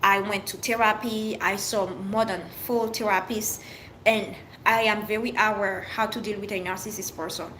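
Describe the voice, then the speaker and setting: Haitian woman w french accent, talks open n earnest in short bits, mid pitch, bit of noise behind. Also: fairly bright tone, low-quality recording. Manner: open, earnest, speaks in short fragments with restarts. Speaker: livestream host. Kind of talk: casual livestream chat answering viewers.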